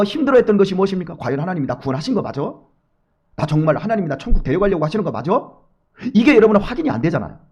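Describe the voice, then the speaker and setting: A middle-aged man delivers a morning sermon in a high, quick voice that races through his points. He asks his listeners question after question and swings from hushed asides to forceful calls. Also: highs cut off. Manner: emphatic, swings from hushed asides to loud exhortation; addresses the congregation directly, rhetorical questions. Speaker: pastor.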